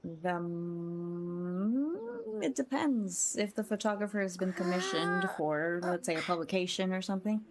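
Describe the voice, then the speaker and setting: A woman's voice: on the low side, unhurried, a little hiss or hum. A woman live-streaming a game in a playful, chatty way, welcoming her viewers as she plays. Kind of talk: casual chat while playing. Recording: game music behind the voice. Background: game music.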